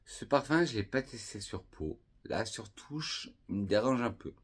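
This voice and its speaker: Slow, husky low-voiced man reviewing perfume. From France. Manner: calm, unhurried, lists notes one by one. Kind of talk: casual perfume review vlog.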